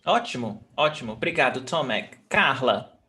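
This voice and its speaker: A man teaching an informal language lesson, explaining in short phrases with pauses. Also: medium pitch, animated, bright, forceful tone.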